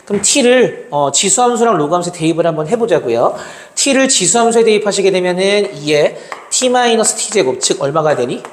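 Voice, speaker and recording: A man's voice: sits high, expressive, moderate pace, few pauses. Man walking through math problems. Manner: talks through calculations aloud, checks in with students. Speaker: math tutor. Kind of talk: exam problem walkthrough lecture. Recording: roomy reverb, faint noise.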